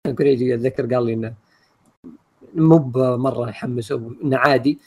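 A man chats on a podcast at a breakneck pace, rambling with lots of fillers. His voice is gravelly and a bit husky, and sits slightly high for a man. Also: fairly even intonation. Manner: rapid, rambling with many fillers. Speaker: podcast co-host. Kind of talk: casual chat.

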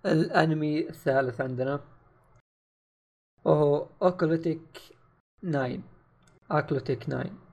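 A man's voice: fairly high pitch, moderate pace, vocal fry, long pauses, darkish tone. A man co-hosting a casual podcast chat, teasing his co-host and giving blunt opinions.

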